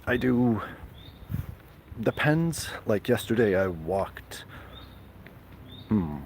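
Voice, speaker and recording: Man, unhurried, halting with lots of fillers, live-stream host. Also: medium pitch, a little mellow, a little hiss or hum. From Serbia. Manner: halting, frequent fillers and restarts. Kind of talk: casual live-stream chat with viewers.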